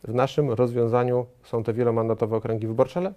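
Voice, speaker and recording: A man in his thirties, a studio guest answering interview questions in a measured way, with frequent hesitations and restarts. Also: medium pitch, steady tone, warm tone. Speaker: studio guest, member of parliament. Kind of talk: political TV interview. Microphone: lapel mic.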